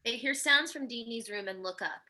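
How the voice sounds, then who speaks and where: A woman's voice: on the high side, a little fast, bright, forceful tone. A woman narrating a screenplay, reading stage directions in a scripted table-read style.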